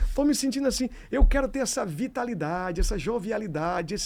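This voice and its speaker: A man speaks with very wide pitch swings. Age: 40s. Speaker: talk show host. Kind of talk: interview. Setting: TV and radio studio, live broadcast.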